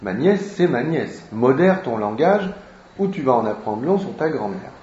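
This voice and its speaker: A man's voice: medium pitch, sing-song, normal speed, a little mellow, slight background noise, lightly acted. Brief: a stern uncle warning a friend to mind his language, read by a man, in a roomy room. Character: indignant uncle defending his niece. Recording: roomy, dull lo-fi recording.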